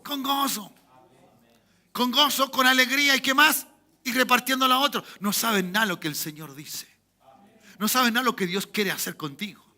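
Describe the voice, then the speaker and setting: A Chilean pastor with a Chilean Spanish accent preaches from the pulpit of a church. His voice sits high for a man and rings very bright and forceful. He climbs to loud emphatic peaks, drops into quiet asides, and keeps asking the congregation for amens. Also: moderate pace. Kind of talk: sermon. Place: church sanctuary.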